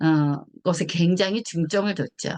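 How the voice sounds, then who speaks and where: Her pace fairly slow, a woman speaks. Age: 60s. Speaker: company executive presenting a product. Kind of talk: sales pitch.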